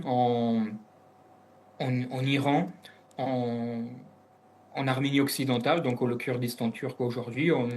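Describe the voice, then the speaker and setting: Man from italy, interview guest, hesitant, lots of fillers, mid pitch. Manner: hesitant, many fillers and restarts. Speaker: guest analyst. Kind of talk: interview answers.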